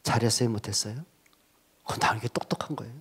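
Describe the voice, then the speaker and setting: A male pastor preaching a sermon, telling stories in an animated way with joking asides. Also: fairly low pitch, fast talker, slightly rough.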